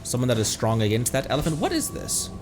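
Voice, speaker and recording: A man's voice: medium pitch, wildly swooping pitch, quick pace. A man giving casual live game commentary as a streamer, thinking aloud in stammering bursts. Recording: game music behind the voice. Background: video game music.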